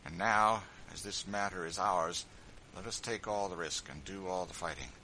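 A man reading an audiobook, voicing a defiant, resolute escaped man who speaks calmly, clearly and forcefully. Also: deep voice, slight background noise, rough recording. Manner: calm, clear, measured and forceful.

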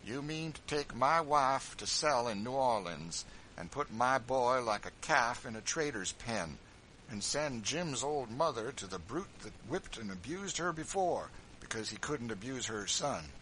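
A man reading an audiobook, voicing a defiant, resolute escaped man who speaks calmly, clearly and forcefully. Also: low-pitched, slight background noise, rough recording. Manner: calm, clear, measured and forceful.

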